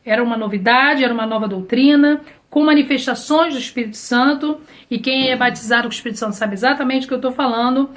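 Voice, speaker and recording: A woman's voice: high voice, fast, few pauses. A Brazilian Portuguese-speaking woman teaching a church Bible lesson in a conversational way, with frequent fillers and restarts. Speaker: Sunday school teacher.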